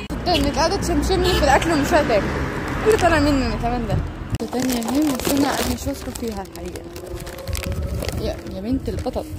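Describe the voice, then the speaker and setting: A woman with an Egyptian Arabic accent vlogging outdoors, chatting and coaxing street animals in a teasing way. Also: high voice. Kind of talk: casual vlog narration and talking to street animals. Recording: loud street traffic noise behind.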